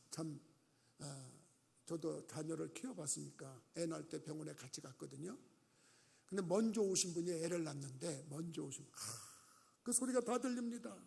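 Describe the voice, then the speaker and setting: A middle-aged man preaches a sermon from the pulpit, his voice pitched high with a gravelly edge. He slips into the voices of people in his stories, swinging up and down as he goes. The sanctuary gives his words a long, ringing reverb. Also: dark tone. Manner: acts out quoted voices with dramatic rises and dips. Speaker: pastor. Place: church sanctuary.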